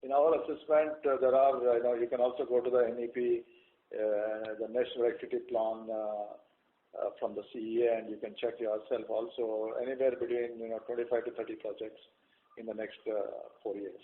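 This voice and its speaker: A company executive answering analyst questions on an earnings call, explaining at length with many "you know" fillers. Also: male voice, mid-range voice, level tone, a little fast. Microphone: conference call line. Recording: echoey phone-line audio.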